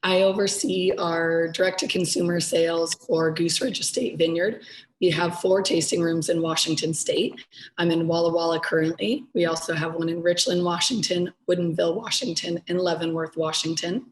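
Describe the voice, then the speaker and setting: A hoarse woman who has lost her voice, a webinar panelist listing her tasting rooms in a matter-of-fact way. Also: on the low side, fairly even intonation, normal speed, poor audio. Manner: matter-of-fact, lists facts. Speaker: panelist, sales manager. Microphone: video call.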